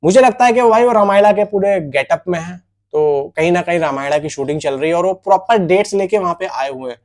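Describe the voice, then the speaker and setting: A man's voice: high-pitched, lively intonation, a little fast, a little mellow. A man presents film news. He speaks informally, as if chatting with his viewers, often putting questions to them and answering them himself. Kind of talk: casual film news commentary.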